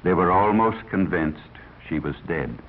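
A man's voice: low-pitched, measured pace, slight background noise. A middle-aged American man narrating a 1950s educational film in a grave, moralizing manner. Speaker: narrator and presenter. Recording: husky, lo-fi 1950s film soundtrack.

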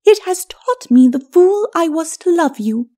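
A woman's voice: extremely high pitch, lively intonation, measured pace, dark tone. A woman voicing a scornful, embittered skeleton wife in a storybook, with arch, cutting, formal archaic speech. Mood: bitter. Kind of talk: storybook character acting.

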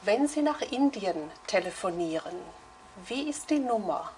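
Middle-aged woman examiner; clear, slow, measured explaining. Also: mid-range voice, lively intonation, darkish tone, a little hiss or hum. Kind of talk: exam instructions. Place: indoor room.

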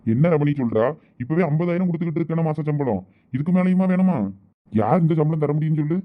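A man playing a stern village husband in a family skit, talking briskly and firmly. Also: a little high, lightly acted. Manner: brisk, scolding, firm. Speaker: husband and shop owner. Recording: dull lo-fi sound.

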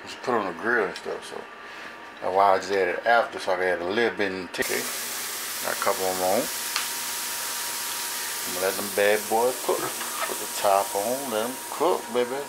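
A young man talking casually as he cooks in a small home kitchen, relaxed and repeating "you know what I'm saying.". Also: lowish voice, a little fast, pauses often, noisy background. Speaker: vlogger cooking at home. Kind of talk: casual cooking vlog talk. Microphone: camera across the kitchen.

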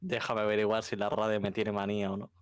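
A man's voice: on the low side, flat delivery, quick pace, no echo. A man with an accent from Spain, chatting casually with gaming friends over voice chat. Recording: clearly noisy voice chat.

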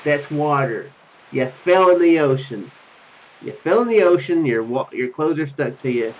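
A man in his thirties reading a visual novel aloud in an animated way, with casual commentary between lines. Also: a little high, normal speed, highs cut off, a little hiss or hum. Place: room at home. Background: game music.

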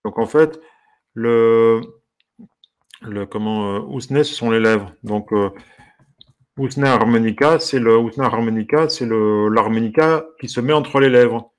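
A harmonica teacher browses and offers casual commentary, curious and amused, musing aloud with soft exclamations. His voice sits at medium pitch and moves at a measured pace.

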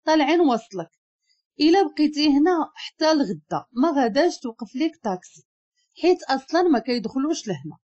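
A woman voicing a quiet, reserved young male boss with a Moroccan accent, speaking briefly and calmly. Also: very high voice, quick pace, lo-fi sound, pitched above the performer's own voice. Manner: brief and calm.

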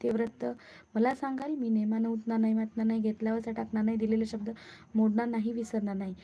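A woman's voice: fairly high pitch, level tone, quick pace. A woman voicing a timid young palace maid who speaks in a worried, questioning way. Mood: earnest. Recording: muffled lo-fi recording.

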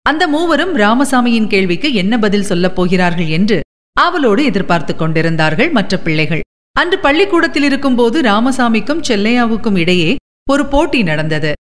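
A woman hosting a radio programme and reading out a short story in an expressive, animated way. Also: a little high, fairly quick. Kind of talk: scripted short story narration. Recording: long reverb on the voice.

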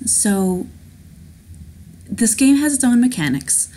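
A woman's voice: on the high side, sing-song, slow, dark tone. A woman chatting her way through a story game at home, reading the text aloud and gushing about it. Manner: chatty, enthusiastic, giggly, with restarts. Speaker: let's play host. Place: home, at a laptop.

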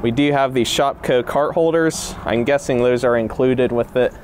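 A man's voice: mid-range voice, moderate pace. Young male explorer host, casual offhand delivery, handheld camera mic outdoors, faint street noise. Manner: relaxed, offhand commentary with hedging asides. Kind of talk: casual walkthrough narration. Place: outdoors at an empty store parking lot.

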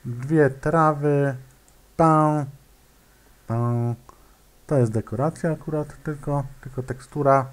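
A man's voice: on the high side, steady tone, slow pace, long pauses. A man giving casual gameplay commentary, muttering to himself, hesitating and making clicking sounds as he plays. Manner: hesitant, many fillers and restarts.

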